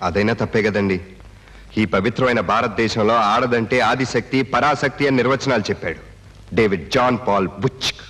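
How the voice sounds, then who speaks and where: A man's voice: medium pitch, a little fast, a bit bright, slightly rough. An actor playing a polite, earnest young man who speaks respectfully in a film scene. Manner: polite, earnest speeches, addresses others as sir. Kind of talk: film dialogue.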